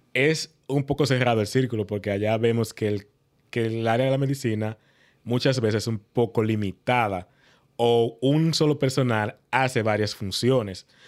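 The recording is very clean, with a silent background. A man with an ordinary speaking voice talks at a moderate pace and medium pitch, with fairly even intonation. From Dominican Republic, Moca. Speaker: doctor. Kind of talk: interview.

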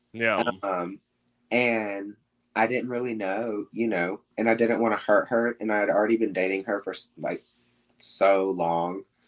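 A man with an American accent talks in a plain, everyday voice at a fairly low pitch. His pace is fairly slow and his intonation fairly even. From South Carolina. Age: 20s. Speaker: go-go dancer. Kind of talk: interview.

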